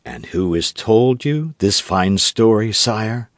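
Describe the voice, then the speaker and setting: A man voicing a calm, shrewd captain of musketeers who speaks quietly and with measured composure in an audiobook. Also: lowish voice, dry recording, clean studio sound. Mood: composed.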